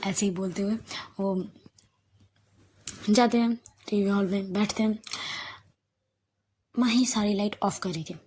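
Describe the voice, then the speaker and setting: A woman tells an audio love story in a conversational way, at medium pitch, dropping to a hushed voice in tender passages. A faint hiss lies under the recording. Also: fairly even intonation, measured pace, pauses often.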